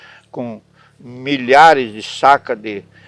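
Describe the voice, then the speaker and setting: A man speaks in a medium pitch. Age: 70s. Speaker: settler farmer. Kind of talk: oral history interview. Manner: halting.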